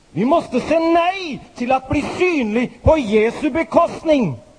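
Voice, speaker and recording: A man talks at a very slow pace with a Norwegian accent. Noticeable background noise can be heard. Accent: Norwegian-tinged Swedish. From Norway. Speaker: pastor. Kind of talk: sermon. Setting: church meeting with audience.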